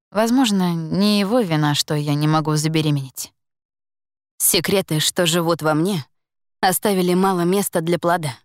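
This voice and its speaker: A woman narrating a first-person story in a calm, measured, reflective reading. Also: lowish voice, no echo, clean studio sound. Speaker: audiobook narrator.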